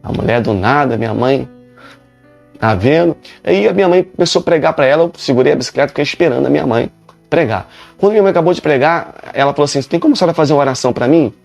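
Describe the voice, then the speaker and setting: A man's voice: on the high side, lively intonation, fast talker, vocal fry, faint music behind. A male pastor, telling his own conversion story emphatically and with many repetitions. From Rio de Janeiro, Brazil. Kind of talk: preaching a personal testimony.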